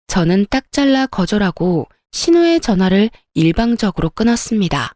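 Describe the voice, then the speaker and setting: Mellow-voiced woman narrating a story. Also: medium pitch, no echo, studio quality. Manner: indignant, confiding storytelling.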